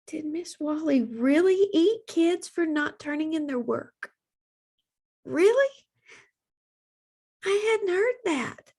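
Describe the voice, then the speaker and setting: A woman's voice: high-pitched, animated, slow pace, pauses often, a little mellow, voice pushed up, exaggerated voice. A woman voicing a tiny, chatty dragonfly girl in a storybook, an urging and wide-eyed best friend. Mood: astonished.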